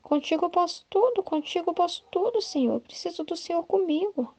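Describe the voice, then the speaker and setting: A woman's voice: very high voice, expressive, fairly quick, warm tone, no echo, pitched above the performer's own voice. A woman voicing a devout woman who pleads fervently with Jesus, her voice raised and heightened. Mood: pleading.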